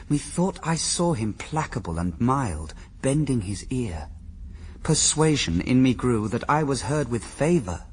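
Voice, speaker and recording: A man's voice: medium pitch, slightly rough, distant mic. An actor playing the first man, an earnest and reverent husband, speaking solemn verse in a radio drama.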